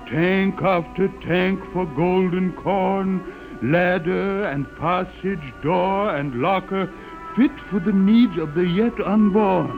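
Solemn, slow-chanting old keeper of lore, slightly high voice, tinny old radio sound with music. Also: male voice. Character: old male keeper of the ship's legend, solemn. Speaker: John the Witness. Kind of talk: 1950s radio drama acting.

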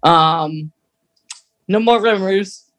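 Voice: mid-range voice, extremely slow, a bit bright. A podcast co-host chatting casually about a radio drama, explaining things in a rambling, hesitant way.

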